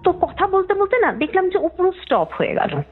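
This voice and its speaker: A woman's voice: very high-pitched, sing-song, a little fast. A young woman caller telling a story in a chatty, rambling way, often trailing off mid-sentence. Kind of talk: casual storytelling on a call. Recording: tinny phone line with faint music.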